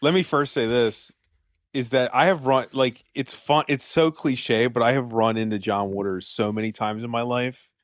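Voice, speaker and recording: Podcast guest, man, middle pitch, rambling anecdotal delivery, close dry mic. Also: fairly even intonation, moderate pace, no room sound. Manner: rambling anecdotes with frequent restarts. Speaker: guest filmmaker. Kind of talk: casual podcast chat.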